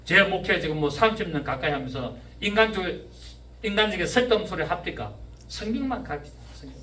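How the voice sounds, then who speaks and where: A man in his fifties preaches a sermon in a Gyeongsang accent, his fairly high voice swinging up and down as he shouts and questions the congregation. He is picked up from some distance, in a roomy church with clear echo. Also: animated, fairly quick. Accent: Gyeongsang Korean. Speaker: pastor. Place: church sanctuary. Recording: echoey church room, mic at a distance.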